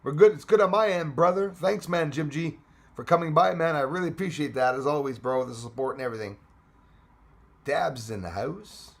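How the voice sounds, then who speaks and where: A man's voice: on the high side, brisk. A middle-aged man from Quebec with a Québécois French accent, chatting casually on a live stream, reading viewer comments and laughing often.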